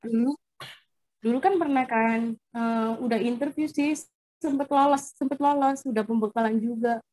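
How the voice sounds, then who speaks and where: A woman's voice: on the high side, fairly even intonation, normal speed, dark tone, rough recording. Polite young-sounding woman on video call. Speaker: coaching client, job seeker. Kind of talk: casual conversation.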